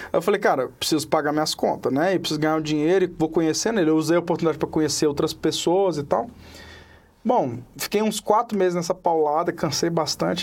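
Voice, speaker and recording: A man's high-pitched voice at a very fast pace, with very even loudness. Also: ordinary pitch variation. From Minas Gerais, Araxá. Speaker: video production company owner. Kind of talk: casual interview chat; sales pitch.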